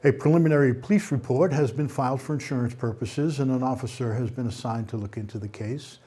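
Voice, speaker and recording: A man's voice: medium pitch, quick pace, mellow. A man anchoring a weekly local news roundup, reading items evenly and adding small off-script remarks. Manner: reads evenly with small ad-libs.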